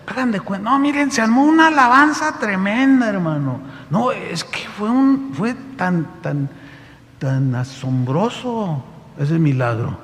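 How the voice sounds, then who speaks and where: Man, pastor, animated sermon storytelling, high voice, long hall reverb. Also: unhurried, slight background noise. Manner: animated, addressing the congregation directly.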